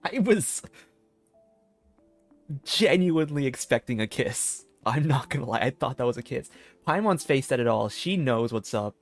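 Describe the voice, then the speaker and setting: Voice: medium pitch, animated, moderate pace, faint music behind. A game streamer giving casual, candid livestream commentary and reactions.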